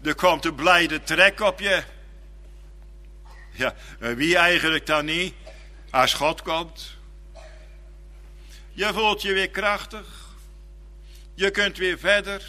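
A man preaching a sermon in slow, fervent phrases, dropping now and then to a quiet, drawn-out delivery. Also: sits high, big-room sound.

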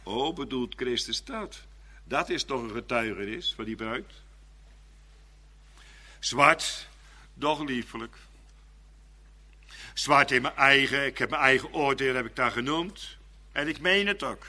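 A man preaching a sermon in a church. He moves between hushed, slow pleading and raised, fervent preaching. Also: medium pitch. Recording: long church reverb.

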